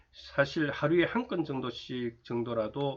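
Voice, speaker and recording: A somewhat breathy male voice over a quiet background. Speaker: constitutional law scholar. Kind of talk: casual talk to camera. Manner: hesitant, many fillers.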